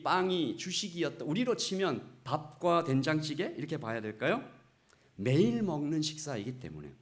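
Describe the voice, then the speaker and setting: Middle-aged male pastor, fairly high and very lively voice, emotive storyteller who quizzes the pews. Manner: emotive storytelling, swinging from hushed to loud; asks the congregation questions. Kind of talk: sermon.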